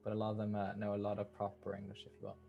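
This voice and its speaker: Low, flat-voiced Dutch man. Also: very fast, creaky, dull audio. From Netherlands. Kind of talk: casual chat.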